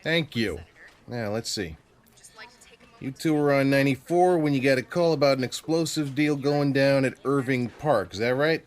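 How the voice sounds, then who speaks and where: An actor playing a brusque, businesslike police sergeant in an audio drama, curt and in charge. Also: male voice, mid-range voice, normal speed, close to an everyday voice. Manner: curt, authoritative. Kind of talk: full-cast audio drama acting.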